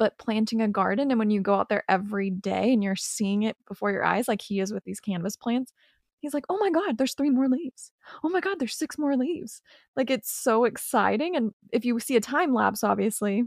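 Over a very clean recording with a silent background, a woman with a plain, everyday voice talks at a fairly quick pace, her fairly high pitch moving with lively intonation. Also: dry, close sound with no echo. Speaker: podcast host. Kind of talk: casual chat interview.

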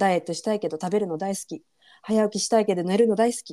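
A woman speaks at a medium pitch with a dark, mellow tone, recorded dry and close with no echo. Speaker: childhood friend of the hosts, former softball player. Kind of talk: casual chat; reading aloud her self-introduction.

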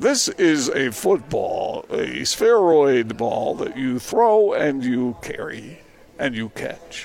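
Using a put-on character voice, a man delivers his lines. The pace is very slow. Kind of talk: mid-century announcer. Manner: bright, explanatory.

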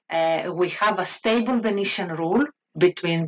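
Woman with a Greek accent, fairly low in pitch, fairly even in intonation, at a fairly slow pace. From Greece (Crete). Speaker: art historian. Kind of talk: interview. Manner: hesitant, many fillers.

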